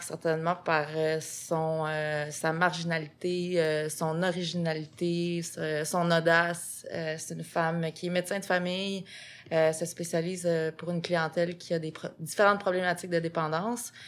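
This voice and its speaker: In a monotone, flat intonation, a woman with a fairly low pitch speaks at a moderate pace. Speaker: podcast host. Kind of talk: podcast intro, reading notes. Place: studio. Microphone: studio mic.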